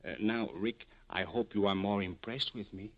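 An actor playing a fawning, shifty small-time black-market crook with a hesitant, nervous manner, in 1940s radio style. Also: male voice, fairly low pitch, steady tone, normal speed, natural voice. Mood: ingratiating, smug. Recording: muffled 1940s radio broadcast recording.

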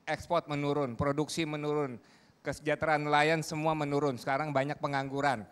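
A man's voice: on the high side, flat delivery, fairly quick, clean tone. Argumentative man pressing with figures. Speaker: panelist. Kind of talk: debate on a talk show.

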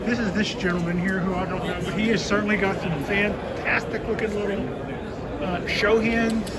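A woman's voice: medium pitch, steady tone, normal speed, very noisy. A woman filming herself touring a busy bonsai expo hall on a handheld phone, chatting in a rambling, delighted way. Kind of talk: handheld walk-through commentary. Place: crowded indoor expo hall. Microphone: handheld phone camera. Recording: phone recording amid a loud crowd. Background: loud crowd chatter.

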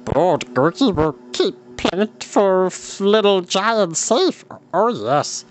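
A man's voice: high voice, big pitch swings, takes it slowly, pitched above the performer's own voice, full character voice. A man voicing a timid, shaggy male creature who speaks in odd broken phrases with rhyming plurals. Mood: fearful.

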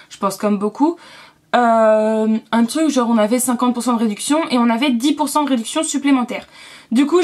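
A young woman chatting casually through a beauty haul, with lots of fillers and quick asides. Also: fairly high pitch. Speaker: beauty vlogger.

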